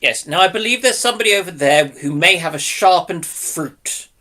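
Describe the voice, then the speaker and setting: A man's voice: fairly high pitch, animated, moderate pace, a crowd in the background. A man on a panel bantering casually, with a mock-serious, dryly joking delivery. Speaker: panel guest.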